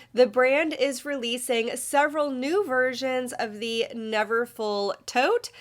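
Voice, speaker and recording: A woman's voice: high voice, fairly bright tone. A woman presenting a luxury fashion vlog in a polished, informative, friendly way, sounding nasal from a cold.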